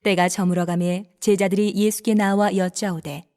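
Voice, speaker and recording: Casting: woman narrator, middle pitch, steady formal scripture reading. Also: moderate pace.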